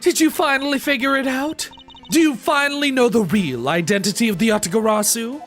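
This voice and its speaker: A streamer voicing a taunting, theatrical female master thief with smug, drawn-out delivery in video game dialogue. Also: medium pitch, fairly bright tone, faint music behind, voice pushed up, close to an everyday voice.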